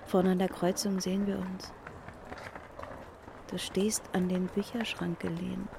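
A woman with a gravelly, creaky voice speaks an intimate first-person literary narration, talking straight to someone who is not there. She is recorded outdoors on a city street, with heavy traffic noise behind her. Her delivery turns loud and urgent in places. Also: lowish voice, level tone, a little slow. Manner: intimate, addressing an absent person directly.

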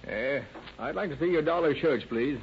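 A man plays an ordinary, helpful shopper in a 1930s radio drama. His voice is gravelly, on a dull recording with faint hiss. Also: fairly high pitch, moderate pace, close to an everyday voice. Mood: calm. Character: slow, helpful ordinary American male shop customer.

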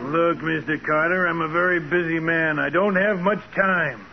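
An actor playing a curt, hostile business boss, impatient and brusque, in 1940s radio drama style. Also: male voice, fairly high pitch, fairly even intonation, moderate pace, over music, natural voice. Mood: impatient, defensive. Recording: muffled, hissy 1940s radio recording.

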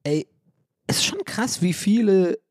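A man's voice: high-pitched, sing-song, unhurried, a little mellow, dry recording, studio quality. Rambling, joking man hosting a podcast. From Ireland. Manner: rambling, joking, self-mocking, swears casually. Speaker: podcast host. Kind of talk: casual rambling monologue.

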